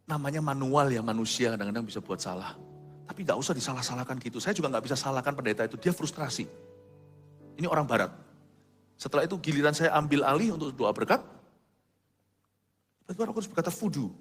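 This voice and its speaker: A middle-aged male pastor telling a testimony in a sermon, with vivid storytelling and sudden quiet asides. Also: medium pitch. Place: large church hall. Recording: reverberant church hall, soft music behind.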